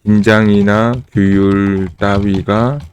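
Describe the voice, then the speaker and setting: A male pastor giving a sermon, explaining the meaning of words slowly and pausing between phrases. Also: lowish voice, level tone, darkish tone, clean tone, lo-fi sound. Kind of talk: sermon teaching on scripture. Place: church.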